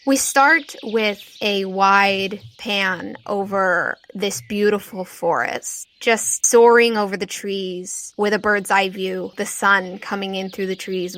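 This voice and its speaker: A woman's voice: mid-range voice, a bit bright, dry recording. Female host and game master, mid-range voice, descriptive tabletop story narration. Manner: descriptive, scene-setting.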